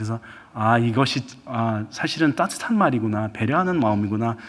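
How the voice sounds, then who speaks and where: This man has an unremarkable speaking voice, medium in pitch, with lively intonation. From Brazil. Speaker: missionary. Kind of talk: sermon. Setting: church.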